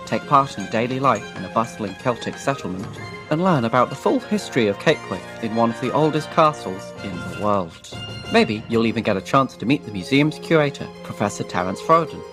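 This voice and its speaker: A man's voice: mid-range voice, sing-song, brisk, music in the background. A man narrating a scripted spoof tourism promo as its presenter.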